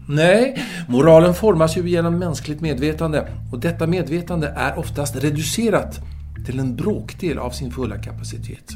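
An actor playing an earnest, pedantic intellectual in an audio drama, discursive and deliberate, a man devoted to his lover. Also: on the high side, close to an everyday voice. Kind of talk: audio drama letter monologue and dialogue.

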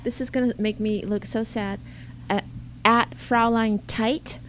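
A woman comedian with a light, girlish voice that sits a little high. She chats casually on a podcast, giggly and self-deprecating, with a faint hum under the recording. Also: fairly even intonation, a little slow. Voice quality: light, young-sounding voice. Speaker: co-host and comedian.

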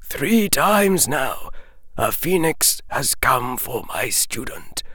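A man voicing an ancient, grieving male wizard in a storybook reading, speaking in a hushed, breaking voice, slow and halting. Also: mid-range voice, very animated, dry recording, studio quality, voice pushed up, full character voice. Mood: sorrowful.

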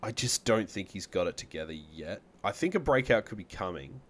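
A man with a very low voice co-hosts a casual sports podcast. He rattles off numbers and gives his takes in a relaxed, conversational way. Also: a little fast. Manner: upbeat, rattles off stats, apologizes for yawning. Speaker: podcast co-host. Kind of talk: casual fantasy football chat.

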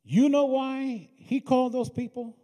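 A male preacher giving a sermon, telling a story dramatically in an emphatic manner that swings between soft and loud. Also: very high voice, fairly even intonation, a little slow. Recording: reverberant hall.

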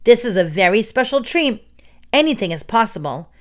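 Woman acting out bold kid girl, storybook, raised pitch, forceful delivery, bossy, excitable, theatrical. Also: moderate pace. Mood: excited. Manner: loud, bombastic, excitable. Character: bold, hyper, bossy young girl, mock-villain ballerina.

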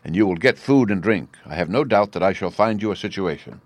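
A man voicing an older country gentleman in an audiobook, hearty on the surface but guarded and uneasy. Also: low-pitched, lively intonation, a little fast, no room sound.

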